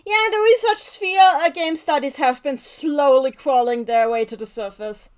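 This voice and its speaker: Answering viewer chat mid-game on her live stream, a young native German speaker in her twenties talks casually with a German accent. Her voice is high, at a moderate pace.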